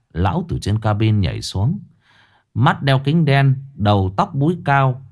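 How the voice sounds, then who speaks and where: Brief: male ghost story narrator, animated and earthy. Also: mid-range voice.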